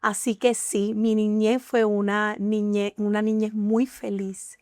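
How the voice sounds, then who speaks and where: A woman guest on a Christian TV talk show, telling her testimony in an earnest, emotional way with many pauses and fillers. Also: medium pitch, flat delivery, darkish tone, dry recording, studio quality. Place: TV studio.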